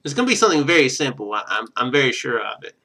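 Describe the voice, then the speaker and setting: A man's voice: mid-range voice, sing-song, very fast, vocal fry, pushed and bright. A man doing casual video game commentary, thinking aloud as he plays.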